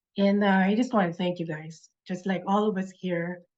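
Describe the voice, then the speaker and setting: A somewhat breathy woman at a medium pitch and a moderate pace. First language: not English. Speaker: exam passer sharing study tips. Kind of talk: testimony. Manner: animated.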